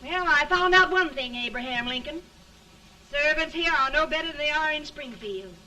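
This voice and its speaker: A bossy, scolding wife in an early talkie. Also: female voice, high voice, normal speed, pushed and bright. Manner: scolding, haughty. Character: sharp-tongued, bossy middle-aged wife. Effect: early talkie film sound. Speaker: actor in a 1930 film. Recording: distant old film soundtrack.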